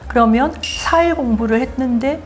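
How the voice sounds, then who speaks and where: Animated older woman telling stories. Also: sits high, normal speed, over music. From Daegu, South Korea. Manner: lively, self-mocking anecdotes. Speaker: host telling her life story. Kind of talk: casual storytelling chat.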